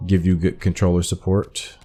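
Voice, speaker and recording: A man's voice: low voice, flat delivery, moderate pace, mellow, soft background music. A man giving casual, off-the-cuff playthrough commentary as the host of a gaming channel.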